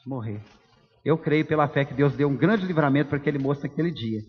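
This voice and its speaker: A man with a Brazilian Portuguese accent preaching a sermon, telling a personal story in an animated way and speaking straight to the congregation. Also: on the high side, fast, breathy edge. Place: church hall. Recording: echoey hall, dull lo-fi sound.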